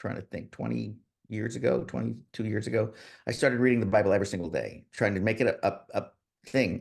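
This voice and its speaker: A man with an American accent speaks at a fairly quick pace with vocal fry over a quiet background. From eastern Pennsylvania. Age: 60s. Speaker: artist and art teacher. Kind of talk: interview. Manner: halting, many repetitions.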